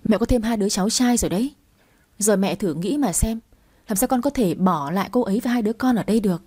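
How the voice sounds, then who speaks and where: A woman's voice: medium pitch, fast talker, mellow, husky. A woman voicing a selfish adult son on a phone call, pleading with his mother to push his wife into a divorce. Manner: pleading, insistent.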